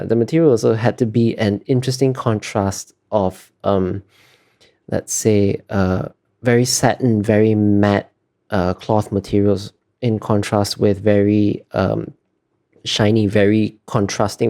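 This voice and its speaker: A man with a lowish, creaky, warm voice is being interviewed as an artist. He talks casually and thoughtfully, feeling his way through explanations in trailing clauses.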